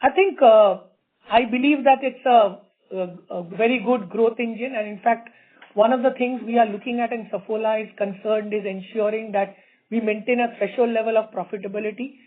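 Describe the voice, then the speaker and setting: A man's voice: high voice, fairly even intonation, normal speed. A middle-aged man with an Indian accent, an executive confidently answering questions on an earnings conference call, often repeating words as he explains. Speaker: company executive. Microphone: conference call line. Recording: tinny narrow phone-line sound.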